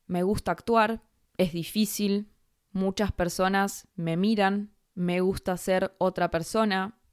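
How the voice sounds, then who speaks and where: Speaking slowly and clearly, this Rioplatense-accented woman teaches Spanish on her own podcast, working through ideas thoughtfully in a conversational monologue. Her medium-pitched voice is resonant with fairly even intonation, and the studio recording is clean, without room sound.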